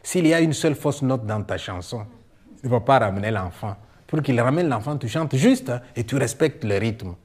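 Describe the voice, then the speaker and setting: A man voicing a wise old village man who gives slow, calm advice in a told folk tale. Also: mid-range voice, husky, voice pushed down. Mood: warning.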